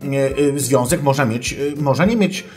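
Man as crude, self-important female sex doctor; mock-academic advice monologue, formal and foul-mouthed, mid-pitched. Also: normal speed, natural voice. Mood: indignant. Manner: mock-scholarly lecturing, keeps addressing the audience formally, swears. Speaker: advice-show host. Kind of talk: comic character monologue.

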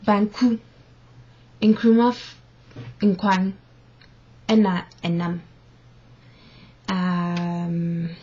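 Young woman, casual webcam vlog, slow, husky, lo-fi webcam audio. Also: mid-range voice, darkish tone. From born in London, part raised in Ghana. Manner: slow, thoughtful, reads questions aloud. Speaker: vlogger. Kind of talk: casual talk to webcam, mixing English and Fante. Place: living room at home, indoors. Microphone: built-in webcam mic.

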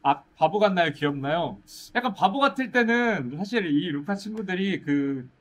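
A young man, a musical actor, chatting in a casual Q&A, pausing thoughtfully to search for words. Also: high voice, lively intonation. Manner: thoughtful, drawn-out pauses while searching for words. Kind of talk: casual Q&A chat. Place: indoor stage set, seated.

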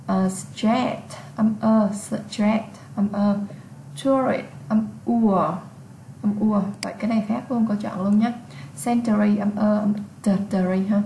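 A woman's voice: on the high side, a little mellow, echoey room, a little hiss or hum. A woman from Vietnam with a Vietnamese accent, teaching an English exam lesson, patiently repeating words and explaining their sounds.

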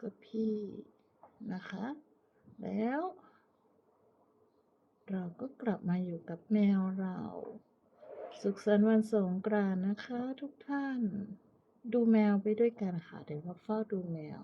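A woman from Thailand chatting casually and politely to viewers as a pet owner, in an unhurried, coaxing manner. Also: mid-range voice, animated. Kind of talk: casual chat to viewers while watching her pet cat. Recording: muffled, lo-fi, phone-like narrow sound.

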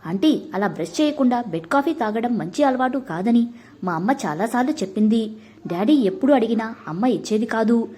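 A woman with a husky voice voicing a grieving young schoolgirl in a storybook reading. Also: a little high, lively intonation, fairly quick, dark tone. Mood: earnest. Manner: tearful pleading. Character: young schoolgirl grieving her dead mother.

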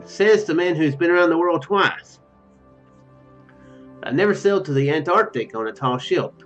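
A young man streams a let's play at home, reading game text aloud over game music in a hesitant, rambling way full of trailing asides. His voice is fairly high and fairly bright, with lively intonation at a normal speed, and the lo-fi microphone gives it a dull sound.

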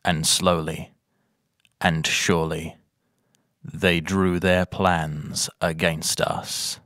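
A man playing a grave, ominous science fiction narrator, measured and portentous. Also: low-pitched, little pitch movement, a bit bright, no echo, studio quality, voice pushed down, exaggerated voice. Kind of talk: dramatic literary narration.

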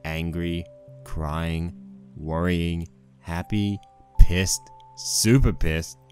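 Over soft background music, a man with a low, steady, slightly mellow voice speaks very slowly. Playing a young married stallion pony husband, he rambles wryly and sheepishly through a conversational fan fiction monologue.

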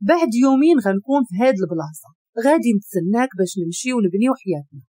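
A woman's voice: on the high side, animated, very fast, mellow, no echo, clean studio sound. A woman with a Moroccan accent voicing a confident young male athlete who teases the girl he loves. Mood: earnest. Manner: self-assured, teasing.

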